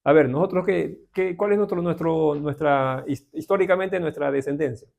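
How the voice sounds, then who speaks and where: Gravelly Peruvian man teaching Bible. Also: fairly high pitch, moderate pace, darkish tone. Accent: Peruvian Spanish. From Peru. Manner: conversational, many filler questions, asks the class. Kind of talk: informal Bible class.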